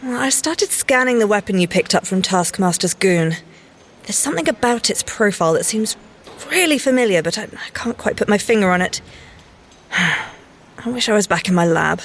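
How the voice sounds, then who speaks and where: Actress as young English woman scientist, prim, precise, mid-pitched, gently wry, audio drama. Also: animated, moderate pace, slight background noise, close to an everyday voice. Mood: preoccupied, fretful.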